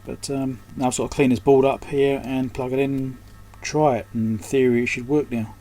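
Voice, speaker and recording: His voice is mid-range and dark-toned, with fairly even intonation and a normal pace. He is an electronics repair technician and host thinking aloud at his indoor bench, offering unscripted commentary in muttered fragments.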